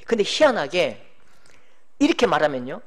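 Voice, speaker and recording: Animated pastor. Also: male voice, on the high side, normal speed. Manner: animated, acts out quoted voices, shouts for emphasis. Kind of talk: sermon.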